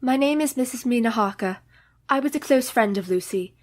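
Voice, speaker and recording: An actress playing an earnest young married woman who questions a madman gently and steadily. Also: fairly high pitch, fairly quick, close to an everyday voice.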